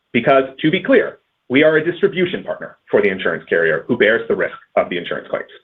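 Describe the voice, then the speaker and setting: Fast, lively male executive, slightly husky. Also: medium pitch, phone-quality sound. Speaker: company finance executive. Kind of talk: scripted earnings call presentation.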